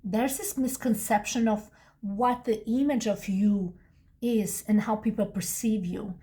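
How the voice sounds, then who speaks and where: A woman's voice: mid-range voice, steady tone, a little slow, warm tone. A woman with a non-native English accent giving a casual, rambling tarot reading, full of restarts and asides. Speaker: tarot reader.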